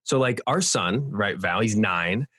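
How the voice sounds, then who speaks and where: A man's voice: on the low side, animated, measured pace, fairly bright tone, no echo. A man hosting a podcast, talking casually and sometimes searching for his words. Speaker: podcast host. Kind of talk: conversational interview.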